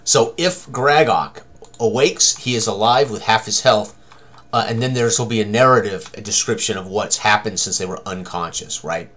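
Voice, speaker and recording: A man's voice: on the low side, moderate pace, a bit bright. An older man thinking aloud as game master, narrating a tabletop combat tutorial with dramatic turns of phrase. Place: small room indoors at a computer.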